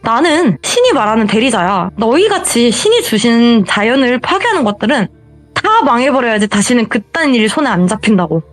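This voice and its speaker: A woman's voice: a little high, very animated, brisk, soft background music. Woman acting a fanatical cruel young woman. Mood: preachy. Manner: mocking, preachy.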